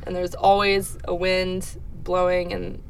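A young adult woman giving casual answers as an interviewee in a relaxed conversational interview. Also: fairly low pitch, slow, poor audio. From Netherlands. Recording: faint background noise.

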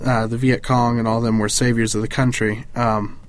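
A man's voice: medium pitch, level tone, moderate pace. A man with an American accent asking questions in a casual interview. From United States.

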